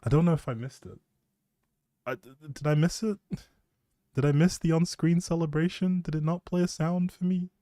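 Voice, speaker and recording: Fairly high-pitched yet dark in tone, a young adult man speaks at normal speed with fairly even intonation. The live streamer and audio creator rambles jokily on a game livestream, chatting with viewers, in clean, echo-free studio sound.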